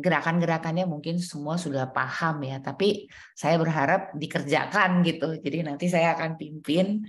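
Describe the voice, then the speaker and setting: Over a quiet background, a woman speaks at a moderate pace in a fairly low voice with fairly even intonation. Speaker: sports medicine doctor. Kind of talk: webinar lecture. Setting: video call. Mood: friendly, smiling. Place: home room. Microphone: video call.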